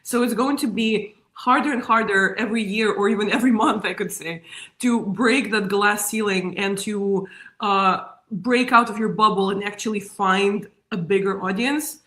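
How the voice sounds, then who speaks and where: A woman in her thirties with a Russian accent, a guest in a casual interview, talking with animated energy and frequent laughs. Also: mid-range voice, normal speed, echoey room. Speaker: guest, media strategist.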